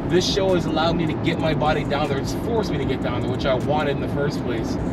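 A man at a fairly quick pace with music in the background. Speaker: bodybuilder vlogger. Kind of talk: casual vlog chat. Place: car. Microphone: camera far.

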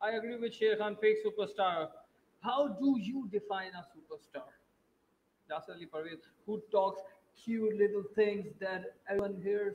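A man in a Pakistani accent, high in pitch with fairly even intonation, moderate pace, long, frequent pauses and big swings in loudness. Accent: Pakistani Urdu. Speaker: pro wrestler and stand-in live stream host; guest. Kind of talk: casual live stream chat. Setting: online live stream from laptop. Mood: joking, playful. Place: home room. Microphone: video call.

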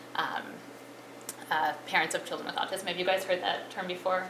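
A woman talks at a fairly quick pace. Noticeable background noise runs behind her. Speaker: behavior analyst giving guest lecture. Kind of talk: lecture. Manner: loud; many filler words. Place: classroom. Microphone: lapel.

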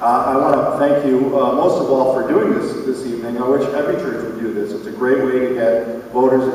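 A man talks at a fairly quick pace with hardly any pauses, his voice carrying strong room echo over light background noise. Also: ordinary pitch variation. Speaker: candidate. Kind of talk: campaign speech. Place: church.

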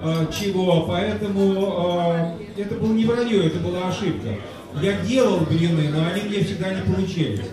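A man with a high pitch speaks at a moderate pace. Audible room echo and noticeable background noise are present. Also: ordinary pitch variation. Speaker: charity event host and auctioneer. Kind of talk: live charity event hosting with auction. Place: bar.

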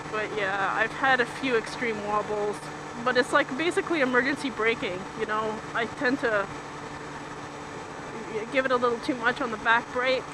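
The speech moves at a moderate pace with long, frequent pauses, in a dry sound with no echo, over noticeable background noise. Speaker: motorcycle rider. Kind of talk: casual motorcycle vlog talk. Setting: outdoors. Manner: rambling, halting. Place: motorbike.

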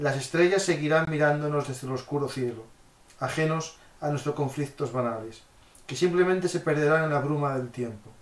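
A man talks at a moderate pace. His pitch is fairly high, with ordinary pitch variation. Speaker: podcast host. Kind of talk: casual interview chat; reading a soldier's letter aloud. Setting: live stream. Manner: animated, chatty.

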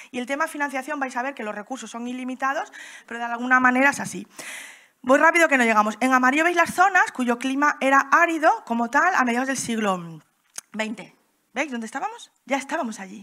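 A woman speaks in a raised, projected voice at a high pitch, with lively intonation, big swings in loudness and a fairly quick pace. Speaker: regional government climate official; panelist. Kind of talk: conference talk. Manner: fast. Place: hall. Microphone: handheld.

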